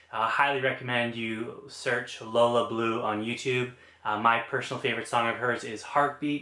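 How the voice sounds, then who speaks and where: Monotone, flat intonation against noticeable background noise. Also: man, medium pitch for a man, moderate pace. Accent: Canadian. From Canada. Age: 20s. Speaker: movie reviewer. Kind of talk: casual chat. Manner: halting, many filler words.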